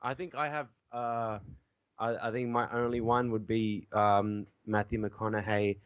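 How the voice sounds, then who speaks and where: A man talking in casual podcast banter, animated and jokey, swearing now and then. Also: lowish voice, unhurried, clean tone, no room sound. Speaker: podcast guest. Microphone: Skype call. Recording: dry, dull Skype call audio.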